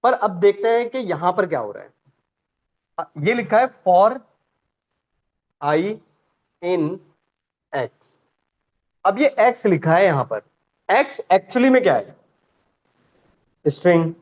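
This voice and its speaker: A man teaches a programming class. He questions the students often and repeats each point slowly. The recording sounds dull and lo-fi. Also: sits high, big pitch swings.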